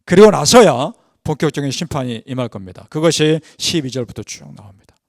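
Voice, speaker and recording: A man's voice: animated, a little fast, no room sound, clean studio sound. Earnest Korean-speaking male pastor preaching. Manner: earnest preaching, rising with emphasis then dropping low; leads congregation in scripture reading. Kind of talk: early-morning prayer sermon.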